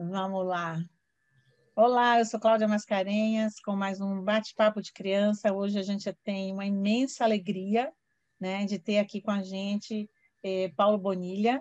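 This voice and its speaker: Delivered in a Bahian accent, the speech has a monotone, flat intonation and a dry, close sound with no echo. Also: woman, medium pitch for a woman, fairly slow pace. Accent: Bahia. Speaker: podcast host. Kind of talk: interview.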